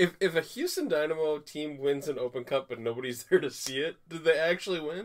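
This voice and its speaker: A man talks at a fairly quick clip in a plain, everyday voice, his fairly high pitch showing ordinary variation and hardly any pauses. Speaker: podcast co-host. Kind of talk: casual chat.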